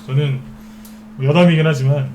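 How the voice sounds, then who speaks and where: A man's voice: fairly high pitch, fairly even intonation, moderate pace, darkish tone, slight background noise. A man giving a stock trading lecture as a market expert, who keeps asking rhetorical questions and answering them himself. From Seoul capital region.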